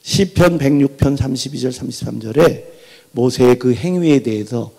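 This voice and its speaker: A middle-aged pastor preaches with animated storytelling, jumping from loud outbursts to near-whispers. His voice is gravelly and husky, sitting a little high. It rings out in a large church hall with long reverb. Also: moderate pace. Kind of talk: revival sermon. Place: church sanctuary.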